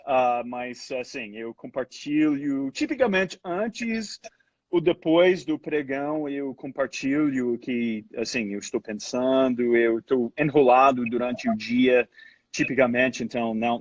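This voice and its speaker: A man's voice: mid-range voice, measured pace, dry recording, highs cut off. A man answering as a guest fund manager in a casual interview, hesitant, full of fillers and restarts.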